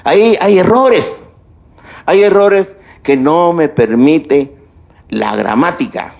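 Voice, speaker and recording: Slow, gravelly man lecturing. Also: on the high side, animated, a little mellow, highs cut off. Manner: slow, deliberate delivery with stretched pauses and lists. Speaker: university lecturer. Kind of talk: classroom lecture on grammar and writing. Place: university lecture room.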